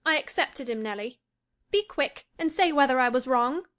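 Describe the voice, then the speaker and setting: Woman playing a high-voiced, petulant young lady. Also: expressive, moderate pace, fairly bright tone. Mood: peevish, impatient. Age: young adult. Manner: emphatic, pleading, petulant. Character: peevish, anxious young lady, impulsive and self-centred. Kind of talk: audiobook character acting.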